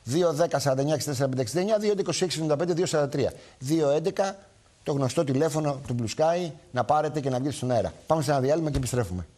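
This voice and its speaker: A man's voice: on the high side, lively intonation, dark tone, a little hiss or hum. A man hosting a live television talk show, speaking emphatically to viewers and repeating his points.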